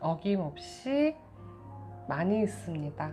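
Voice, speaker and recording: Her pitch sitting at a medium level, a woman speaks with very wide pitch swings. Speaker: book reviewer, video creator. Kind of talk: book review talk.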